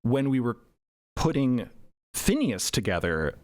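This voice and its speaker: A man's voice: medium pitch, wildly swooping pitch, a little slow, no room sound. A man talking about a character he helped create, enthusiastic and rambling, with many fillers. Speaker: podcast co-creator and voice actor. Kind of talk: casual roundtable chat.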